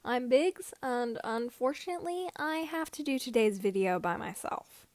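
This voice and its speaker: A woman's voice: high voice, animated, moderate pace, no room sound. A woman voicing a wry, cheerful young man giving chatty, self-deprecating video updates in a story reading.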